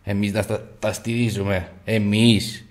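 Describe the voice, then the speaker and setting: A man from Greece giving casual, boastful commentary on slot machine spins, swearing freely and shouting at the reels. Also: lowish voice, level tone.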